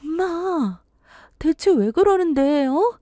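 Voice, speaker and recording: A woman's voice: very animated, moderate pace, no room sound, studio quality. Woman voicing a puzzled young bride-to-be. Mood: anxious puzzled. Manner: questioning, higher and brighter than the narration.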